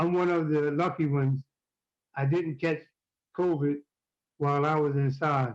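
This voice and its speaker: Pausing long and often, a man with a fairly high voice speaks at a moderate pace. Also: fairly even intonation, very even loudness. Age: 60s. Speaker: formerly incarcerated person giving testimony. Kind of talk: testimony. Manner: halting.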